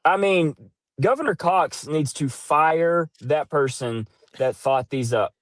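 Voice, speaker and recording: A woman chatting informally as a livestream host. She is emphatic and repeats herself, with very lively intonation. The sound is dry and close. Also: low voice, takes it slowly, no echo. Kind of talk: casual livestream chat.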